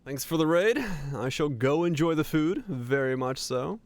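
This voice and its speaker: A man's voice: fairly high pitch, moderate pace, no echo. A man livestreaming over a headset mic, chatting in a laid-back way with frequent laughs and trailing fillers. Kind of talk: casual gameplay chat.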